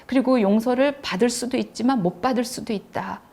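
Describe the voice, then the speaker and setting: Gravelly-voiced woman giving firm advice. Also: a little high, darkish tone. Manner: firm, measured and explanatory, dropping into a near whisper at times. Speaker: counselor and channel host. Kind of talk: advice talk on parenting.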